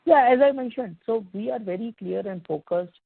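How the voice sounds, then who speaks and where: A man's voice: very high voice, a little fast, vocal fry, husky. A man with an Indian accent, a company executive giving formal, explanatory and emphatic answers on a business conference call. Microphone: phone conference call. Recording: tinny phone line, echoey room.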